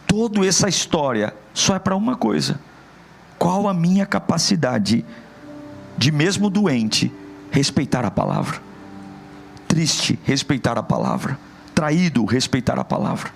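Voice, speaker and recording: A male pastor delivers an impassioned sermon in a high voice. He slips into quoted people. His voice has a gravelly edge, with faint noise behind it. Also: very animated, measured pace.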